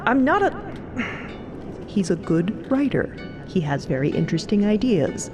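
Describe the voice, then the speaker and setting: A woman's voice: medium pitch, huge pitch swings, unhurried, over music, voice pushed up. A woman playing a defensive, bookish, easily embarrassed timekeeper in an audio drama. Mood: flustered.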